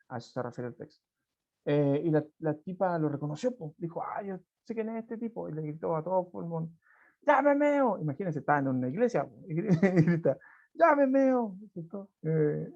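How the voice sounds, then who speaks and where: A Chilean man teaching a class over a video call, talking in a loose, chatty way and checking in with his students every few phrases. His voice sits a bit high for a man, with a gravelly fry. The audio is dull and lo-fi. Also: dark tone. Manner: conversational, frequent tag questions and restarts. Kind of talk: online class, reading and explaining a folk tale.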